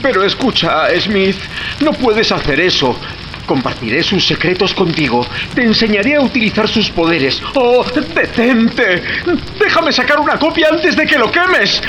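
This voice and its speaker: An actor playing a desperate, pleading student of sinister occult secrets in an audio drama, frantic and imploring. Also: male voice, sits high, very animated, measured pace, background noise. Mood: desperate begging.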